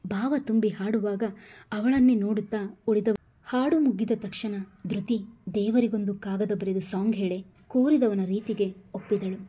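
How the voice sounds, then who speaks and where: A woman narrating a romantic story, voicing every character herself and singing some lines slowly. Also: mid-range voice, warm tone, slightly rough. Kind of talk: scripted story narration with voiced dialogue.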